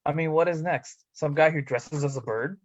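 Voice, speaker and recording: A man's voice: on the high side, moderate pace, dry recording, lo-fi sound. A man doing an amateur staged reading of wrestling promos, with casual asides, over an online call.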